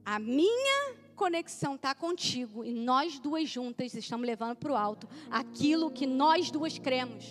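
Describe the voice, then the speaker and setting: High-voiced woman preaching a sermon. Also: very animated, a little slow, soft background music. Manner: addresses listeners by name, asks them to repeat after her.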